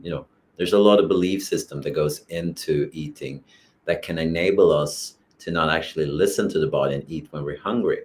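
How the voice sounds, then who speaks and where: A man from Sweden calmly explaining wellness ideas in a casual masterclass, using everyday examples. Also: very deep voice.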